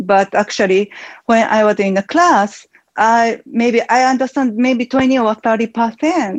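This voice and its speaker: With a Japanese accent, a woman speaks at a fairly high pitch with ordinary variation. Her sound is dry and close, with no echo. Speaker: aspiring life coach. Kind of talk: coaching conversation. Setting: online audio room. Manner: halting.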